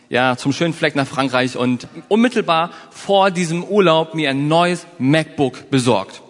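A man with a slightly raised voice gives a motivational talk, turning a personal anecdote into a lesson. He speaks straight to his listeners with lively storytelling energy. His voice carries a long hall reverb. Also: fairly high pitch.

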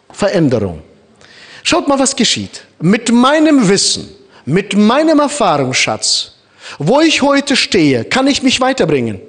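A man born in Kazakhstan preaching a sermon in German with a noticeable foreign accent, addressing the congregation directly and acting out little scenes. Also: high-pitched. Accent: Kazakh-born, speaking German with a noticeable foreign accent.

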